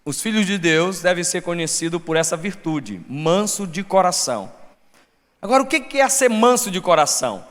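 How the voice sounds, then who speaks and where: High-voiced Brazilian pastor preaching in a hall. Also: male voice, animated, normal speed. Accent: Brazilian Portuguese. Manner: preaching with swings between shouting and soft, mocking asides. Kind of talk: sermon. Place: church hall. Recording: long church reverb.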